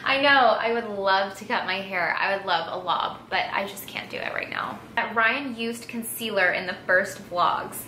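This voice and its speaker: A young American woman vlogger talks casually and informally to her viewers. Her voice is bright and forward. The room adds noticeable echo, with a little noise behind her. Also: medium pitch, normal speed, few pauses. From Texas, United States. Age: young adult. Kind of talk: casual chat, answering viewer assumptions. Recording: echoey room with faint background noise.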